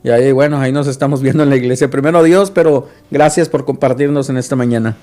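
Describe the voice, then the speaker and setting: A man's voice: mid-range voice, fairly even intonation, fast talker, a little mellow. A man hosting a Christian radio talk show, earnest, often repeating words as he searches for them.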